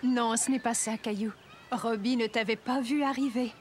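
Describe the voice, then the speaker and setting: A woman's voice: fairly high pitch, fairly even intonation, moderate pace, lightly acted. A woman voicing a friendly mother in a children's cartoon, explaining things simply and kindly. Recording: music and noise behind voice.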